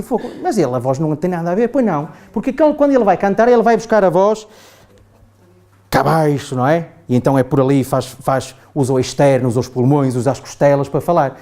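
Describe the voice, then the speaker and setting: A man's voice: fairly high pitch, animated, quick pace, warm tone. A man with a European Portuguese accent giving a chatty classroom talk to adults, often asking the group "não é?". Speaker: trainer. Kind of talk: classroom lecture.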